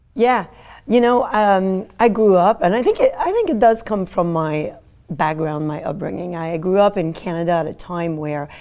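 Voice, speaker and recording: A woman speaks with ordinary pitch variation. Noticeable background noise sits behind her. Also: medium pitch for a woman, moderate pace. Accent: Quebec. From Quebec, Gatineau. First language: French. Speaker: nonprofit co-founder and president. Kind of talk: interview. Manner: hesitant, many fillers.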